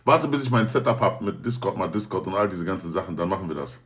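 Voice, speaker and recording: A man's voice: deep voice, expressive, fast talker, a bit bright. A young man talking casually to viewers on a livestream, slangy and joking, often swearing oaths. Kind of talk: casual stream chat.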